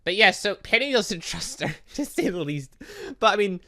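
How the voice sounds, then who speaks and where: A man's voice: high voice, sing-song, moderate pace, pushed and bright. A young man doing casual let's play commentary, rambling and mildly sweary, stumbling as he reads game text aloud. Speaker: gaming channel host.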